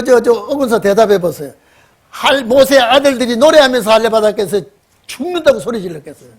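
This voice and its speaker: A pastor with an extremely high, breathy-edged voice preaches a lively sermon. He tells the story through acted dialogue and puts questions to the congregation.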